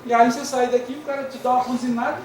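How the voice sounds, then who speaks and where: A man's voice: very high-pitched, level tone, rapid-fire. A man with a Brazilian Portuguese accent giving a talk at a spiritist center, speaking conversationally, asking the audience questions and telling humorous anecdotes. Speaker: spiritist lecturer. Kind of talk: lecture to an audience. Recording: echoey hall, distant mic, faint noise.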